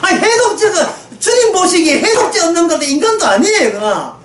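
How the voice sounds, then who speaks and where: High, lively woman preaching in an echoey hall. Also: fairly quick, slight background noise. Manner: emphatic, rhetorical questions, prods listeners with "예?". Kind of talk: sermon lecture. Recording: echoey room from a distance, faint ambience.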